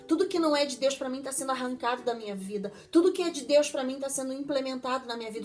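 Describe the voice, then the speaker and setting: A woman delivers a devotional teaching in a notably high voice. She speaks with earnest emphasis, often breaking off and restarting her sentences. She slips into quoted prayers as she teaches. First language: Portuguese. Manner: acts out prayers and God's words in quotes.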